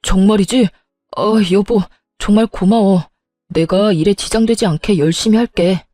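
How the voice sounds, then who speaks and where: A woman reads out a desperate young husband who begs and whines, self-serving to the core. The voice sits mid-range and sounds mellow and dark, close and dry, as in an audio storybook. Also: mid-range voice, moderate pace, no room sound, soft background music, natural voice. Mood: relieved. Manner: begging, whiny.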